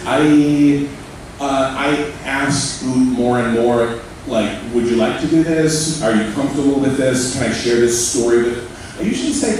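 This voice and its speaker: A man's voice: mid-range voice, darkish tone. A man moderating a live panel on a stage, speaking into a handheld mic in a rambling, friendly, self-deprecating way. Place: stage in a large auditorium. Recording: echoey hall, distant mic, noisy.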